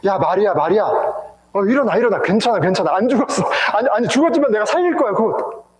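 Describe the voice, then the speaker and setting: A male pastor voicing an imagined man who speaks quickly and colloquially, repeating his words, in an echoey church sanctuary. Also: high-pitched, lively intonation. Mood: reassuring. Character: man gently reassuring, then chiding a weak faith.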